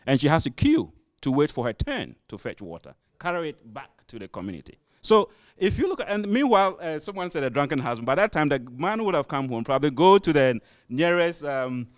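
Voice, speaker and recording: A man from Ghana with a Ghanaian accent, giving a measured, step-by-step spoken comment from the audience at a panel discussion. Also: a little high, big pitch swings, no echo, clean studio sound. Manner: measured, illustrative storytelling. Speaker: audience member. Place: conference room.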